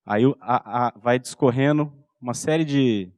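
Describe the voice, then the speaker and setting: A man in his thirties with a Brazilian Portuguese accent, preaching a sermon and telling a personal story, acting out soft-spoken dialogue with his son. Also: medium pitch, normal speed, no echo. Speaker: pastor.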